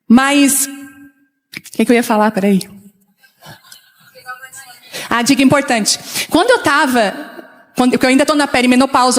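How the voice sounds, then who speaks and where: A woman in her forties, a pastor from Brazil, preaching to her congregation in an animated, conversational way. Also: a little high. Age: 40s. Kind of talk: sermon to a church congregation. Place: church hall. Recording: long reverb of a large hall.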